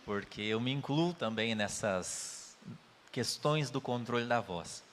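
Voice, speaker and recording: A man with a Brazilian Portuguese accent speaks earnestly in a conversational spiritist lecture. His voice sits in a middle pitch and carries a long reverb from the hall around him. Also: lively intonation, slow, fairly bright tone, slight background noise. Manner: earnest, tells anecdotes with quoted dialogue.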